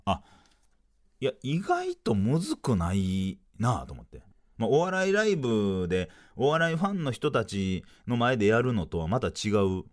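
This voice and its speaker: This man speaks with a Kansai accent and tells his story as an easygoing podcast monologue. His pitch swoops high and low all the time, which makes him sound animated. His voice sits at an ordinary male middle pitch. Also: normal speed. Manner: animated, sing-song delivery with swooping pitch. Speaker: podcast host, comedian.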